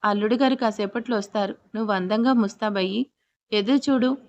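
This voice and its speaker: A woman's voice: mid-range voice, a little fast, darkish tone, lo-fi sound, close to an everyday voice. A woman voicing a fond, doting middle-aged mother in an audio story, speaking in an affectionate, coaxing way.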